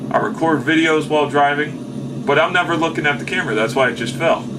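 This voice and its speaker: There is noticeable background noise and audible room echo as a man with a Southern US accent speaks at a fairly high pitch. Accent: southern drawl. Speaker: gaming video creator. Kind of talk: casual chat. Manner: casual, rambling-paced talk.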